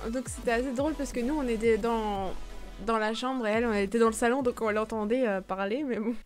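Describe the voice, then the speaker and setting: Une femme qui commente sa vidéo sur un ton de vlog décontracté. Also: female voice, fairly high pitch, a little fast, soft background music. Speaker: video host.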